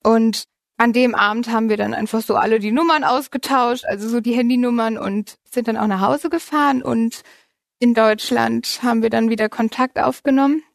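Higher-voiced woman in her thirties telling a story. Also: normal speed, creaky, dry recording, clean studio sound. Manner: laughs often while telling her story. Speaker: interview guest. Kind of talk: personal storytelling in conversation.

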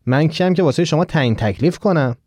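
Brief: a man playing a middle-aged male newspaper seller, fatherly and lecturing, a dark, mellow voice in a dry booth. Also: on the high side, expressive, dry recording, pitched above the performer's own voice. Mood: advising. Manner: gently lecturing, giving friendly advice. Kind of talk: audiobook character voice.

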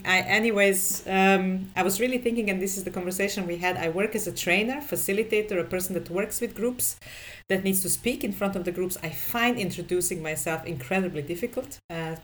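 Woman, 40s, podcast guest; slightly low voice, thoughtful and chatty. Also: a bit bright, slight background noise. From Serbia. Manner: reflective, talkative. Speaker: trainer and guest. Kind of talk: podcast conversation.

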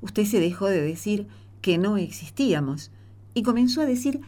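Woman playing a mellow, defiant neighbor. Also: mid-range voice, expressive, moderate pace, natural voice. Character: defiant, earnest neighborhood woman standing her ground. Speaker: actor in radio drama. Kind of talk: Spanish-language radio theatre acting.

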